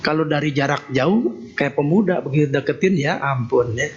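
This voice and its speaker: A man's voice: fairly high pitch, normal speed. A man giving a Buddhist temple sermon in a folksy, joking way, tagging nearly every phrase with a questioning "ya". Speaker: Buddhist monk giving a Dharma talk. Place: temple hall. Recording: dull lo-fi sound with faint noise.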